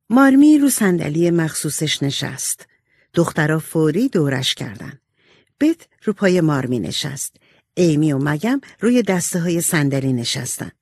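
A woman reads a storybook aloud with expressive narration, her somewhat low voice moving through a wide, lively range. The recording is dry and close, with no room sound. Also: breathy edge, no room sound. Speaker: audiobook narrator.

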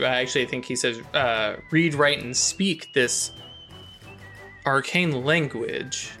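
Halting male game master, slightly high voice. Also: a bit bright. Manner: halting, lots of fillers and self-corrections. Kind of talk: narrating a tabletop role-play game.

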